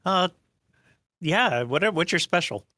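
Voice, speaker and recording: A man's voice: high voice, lively intonation, unhurried, bright, forceful tone, dry recording, studio quality. A man chatting casually as a player in a tabletop game. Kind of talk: casual chat.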